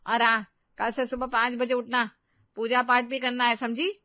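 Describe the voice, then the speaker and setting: A strict middle-aged mother-in-law, played by a woman in a cartoon story. She scolds and lays down rules in a fairly high voice. The recording is dry and slightly dull. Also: little pitch movement, moderate pace, no echo, close to an everyday voice. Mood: scolding. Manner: scolding, commanding. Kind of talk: Hindi cartoon story voice acting.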